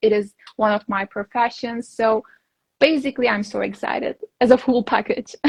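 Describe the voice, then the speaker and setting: Somewhat breathy and fairly high, a woman's voice carries a Turkish accent. She speaks at a moderate pace with monotone, flat intonation. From Turkey, near Syrian border. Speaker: beauty pageant contestant. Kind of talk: interview. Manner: halting, many fillers.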